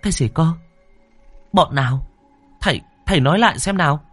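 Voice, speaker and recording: Guy voicing a shaky scared village woman, higher voice, stutters. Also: expressive, a little fast, a bit bright, breathy edge, dry recording, faint music behind. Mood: alarmed. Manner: stuttering, fearful. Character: trembling, terrified village woman.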